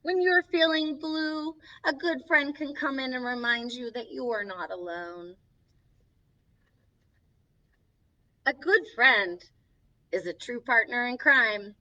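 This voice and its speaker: A woman with a high, sharp voice and a slightly slow pace reads a picture book to children in the role of Snow White, a sweet and encouraging young princess. She sounds gentle and cheerful, using a reassuring sing-song style. It was captured from afar, so the sound is a bit dull.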